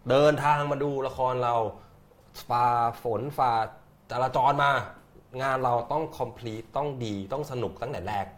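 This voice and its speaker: A man's voice: medium pitch, measured pace. A man, a theatre director, talking casually in an interview, rambling and repeating words as he thinks aloud. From Thailand.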